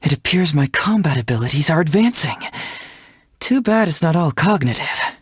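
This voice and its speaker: A man's voice: a little high, lively intonation, moderate pace, husky, dry recording, clean studio sound. A man voicing a cheeky, confident young male detective in a video game, with breezy, playful, theatrical phrasing. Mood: warm, upbeat. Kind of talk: scripted game character voice lines.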